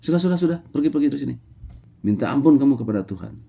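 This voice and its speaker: Guy putting on a high sharp-tongued prophet, dark tone, real scornful. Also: expressive, brisk, slightly rough. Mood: dismissive. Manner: harsh and scornful. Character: arrogant, irritated male prophet scolding a shepherd.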